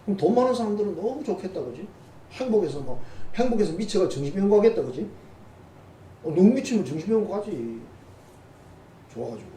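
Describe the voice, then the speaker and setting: A middle-aged male pastor preaches with a high voice that jumps up and down all the time, chatting and teasing his congregation. His tone is mellow rather than bright. The sound is roomy, picked up from a distance across the church. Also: very animated, fairly quick, long pauses, slight background noise. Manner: conversational, teasing asides to the congregation. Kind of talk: sermon. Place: church sanctuary.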